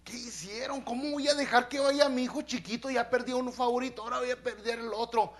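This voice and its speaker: A man's voice: very high voice, a little fast, fairly bright tone, pitched above the performer's own voice. A man voicing a distraught elderly father who scolds and wails at his sons. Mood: anguished. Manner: wailing, scolding.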